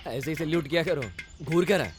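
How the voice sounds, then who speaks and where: A man's voice: a little high, fairly quick, over music, lightly acted. An actor playing a bossy, self-important male bodyguard in dubbed film dialogue, giving orders. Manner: bossy and commanding.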